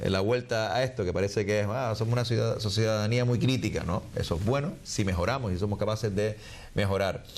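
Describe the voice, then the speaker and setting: The man's voice sits at a fairly low pitch and is an unremarkable speaking voice, with fairly even intonation. He talks at a fairly quick pace, his loudness very even. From Canary Islands, Las Palmas de Gran Canaria. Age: 40s. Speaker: mayor, politician. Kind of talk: interview.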